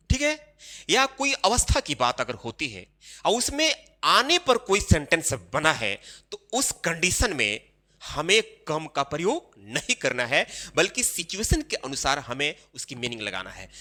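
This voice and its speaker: A man giving an English grammar lesson in Hindi, explaining point by point and often stopping to ask if it is clear. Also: a little high, sharp tone. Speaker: English teacher.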